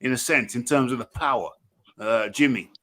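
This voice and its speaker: A man hosting a boxing talk show, lively, often stumbling and repeating words before he finds the point. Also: medium pitch. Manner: lively, stammering restarts, quick affirmations. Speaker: host.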